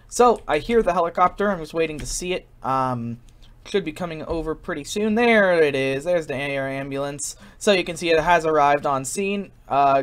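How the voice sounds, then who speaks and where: A tired man giving a casual narration for a screen-recorded software tutorial, as the host. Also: a little high.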